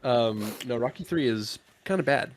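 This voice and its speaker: A man's voice: mid-range voice, expressive, moderate pace. A man co-hosting a casual gaming podcast, congested from a cold, loose and casual as he runs through the show plugs. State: congested, getting over a cold. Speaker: podcast co-host opening the show. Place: podcast recording, indoors.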